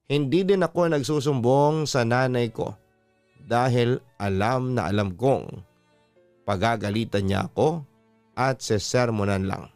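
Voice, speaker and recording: A man with a Filipino accent reads a listener's letter as a host, in a measured, dramatic radio storytelling style. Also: medium pitch, a little mellow, dry recording. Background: background music.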